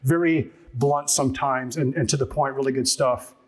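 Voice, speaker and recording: Pastor, male, mid-pitched husky voice, earnest emphatic sermon delivery with pointed questions. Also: steady tone, normal speed.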